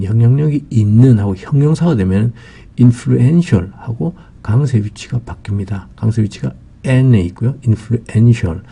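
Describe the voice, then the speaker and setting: A man's voice: on the low side, gravelly, mellow, husky. A man giving an English vocabulary lesson, explaining patiently with many fillers.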